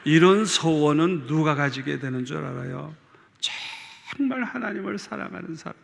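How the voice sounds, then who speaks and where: A man's voice: on the high side, lively intonation, moderate pace, gravelly. A man preaching as a pastor in a church, telling his story with feeling and many repetitions, calling out to the congregation. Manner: calls out to the congregation. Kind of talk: sermon. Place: large church sanctuary. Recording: long hall reverb of a church.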